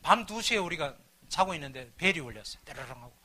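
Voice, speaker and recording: A middle-aged man giving a humorous church talk, acting out his own quarrels with his wife in animated storytelling. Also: fairly high pitch, fast. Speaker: church lay minister. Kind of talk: humorous revival-meeting talk.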